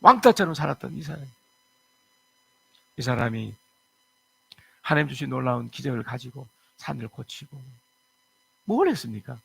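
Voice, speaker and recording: A man's voice: medium pitch, very animated, normal speed, vocal fry, pauses often, bright, forceful tone, husky, poor audio. A man preaching a church sermon as pastor, reading scripture verses aloud and retelling a parable in earnest.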